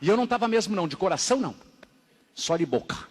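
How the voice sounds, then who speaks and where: A man giving a dramatic religious testimony at a church service, telling his story emphatically and moving between loud exclamations and hushed narration. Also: sits high, big pitch swings, quick pace, breathy edge. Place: church hall. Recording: echoey hall reverb.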